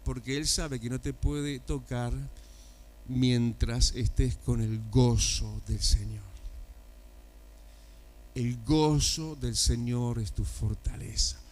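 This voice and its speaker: A male pastor with a Uruguayan accent preaching in church, animated and exclamatory, with bursts and drawn-out words. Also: mid-range voice. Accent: Uruguayan Spanish. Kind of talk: sermon.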